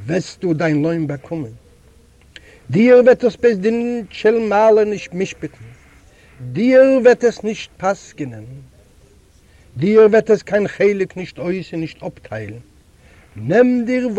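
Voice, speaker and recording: A man's voice: high-pitched, mellow, dry recording, lo-fi sound, exaggerated voice. A man reading a tender old heavenly judge. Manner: slow, tender, solemn reading. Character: gentle old male heavenly court judge. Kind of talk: audiobook storytelling. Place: library recording room.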